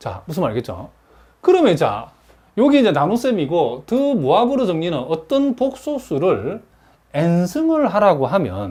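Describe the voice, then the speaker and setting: In a very clean recording with a silent background, a man with a high pitch and a dark, mellow tone speaks fairly slowly, his pitch swinging very widely. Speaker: math lecturer. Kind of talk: lecture. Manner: serious.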